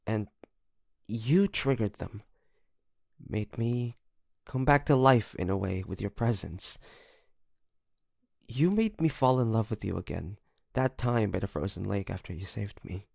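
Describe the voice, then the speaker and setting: A man playing an earnest, tender young demon hunter in love, speaking softly and haltingly in an intimate romantic audio drama. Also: lowish voice, animated, vocal fry, dry recording, studio quality, exaggerated voice. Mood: shy, earnest. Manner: hesitant, halting, soft-spoken with sighs.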